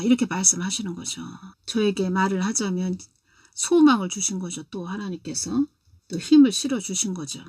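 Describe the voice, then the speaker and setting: A woman's voice: medium pitch, a little mellow, slightly rough, no room sound. A woman in her sixties giving a spiritual testimony and telling her dream, repeating key phrases with emphasis. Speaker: lay preacher.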